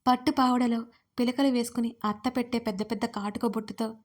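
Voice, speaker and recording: A woman reading a family story aloud as the narrator, in a gentle storytelling manner. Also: a little high, little pitch movement, a little fast.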